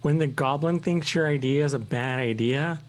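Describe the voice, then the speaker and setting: A woman's voice: low voice, moderate pace, a little mellow. A woman playing a tabletop game, chatting casually with a blunt, teasing manner.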